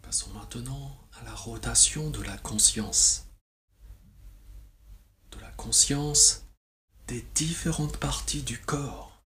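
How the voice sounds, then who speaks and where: A man guides a relaxation meditation as a yoga nidra teacher, soothing and measured, with long pauses. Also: medium pitch, sharp tone, a little hiss or hum.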